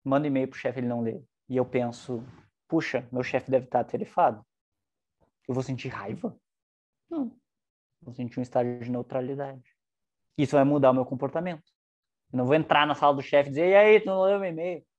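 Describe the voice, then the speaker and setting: A man giving an online psychology lecture, lively and joking, with shifting intonation. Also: mid-range voice, brisk, long pauses, lo-fi sound.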